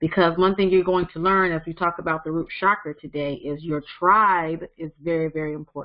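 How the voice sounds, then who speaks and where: A woman talks at a moderate pace with hardly any pauses, in an unremarkable speaking voice. Her pitch is fairly low and her intonation fairly even. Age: 40s. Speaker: spiritual teacher and author. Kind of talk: online course lecture. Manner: warm, affirming.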